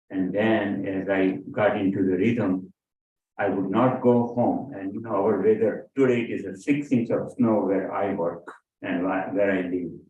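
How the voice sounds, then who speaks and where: A man's fairly low voice with audible room echo. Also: ordinary pitch variation, fairly slow pace. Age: 70s. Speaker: audience member, doctor. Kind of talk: personal testimony.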